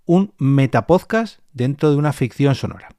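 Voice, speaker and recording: A man's voice: mid-range voice, lively intonation, normal speed, mellow, no echo, studio quality. A man with an accent from Spain hosting a solo podcast, talking casually and directly to his listeners. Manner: conversational, addresses listeners directly. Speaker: podcast host and producer.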